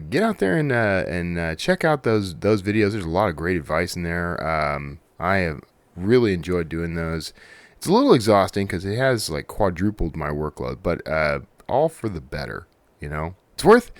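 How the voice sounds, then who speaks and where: A man's voice: low voice, no echo. A man hosting a podcast, chatting casually and solo in a rambling, conversational way that often doubles back on itself. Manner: rambling, conversational, self-interrupting. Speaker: podcast host.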